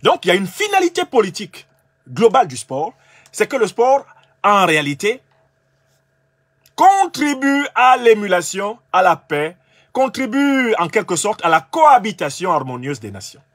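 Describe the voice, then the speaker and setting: A husky man from Cameroon lectures with emphatic, argumentative force. His voice sits high and swings widely in pitch. The sound is dry and close. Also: sing-song, normal speed, a bit bright, no echo. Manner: emphatic, argumentative, addresses listeners directly. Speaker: political commentator. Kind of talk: lecture-style monologue.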